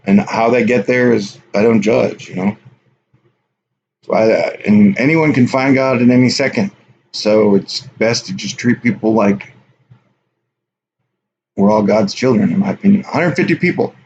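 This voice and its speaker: A man's voice: fairly low pitch, a little slow, creaky, long pauses, a little mellow. A man hosting a casual live stream, rambling offhand and reading viewer chat aloud. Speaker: livestream host. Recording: dull lo-fi stream audio with faint hiss.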